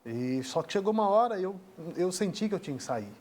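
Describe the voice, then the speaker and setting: A Brazilian man with a fairly high voice tells a personal family story on a talk show. He speaks earnestly and slips into the voices of the people he describes. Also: big pitch swings, fairly quick, darkish tone. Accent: Brazilian Portuguese. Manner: earnest, acts out dialogue in the retelling. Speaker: guest.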